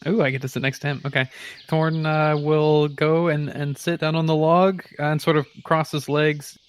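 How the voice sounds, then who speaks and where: A man's voice: on the high side, flat delivery, moderate pace, slight background noise. A man talking casually as a player in a tabletop role-playing game, describing his character.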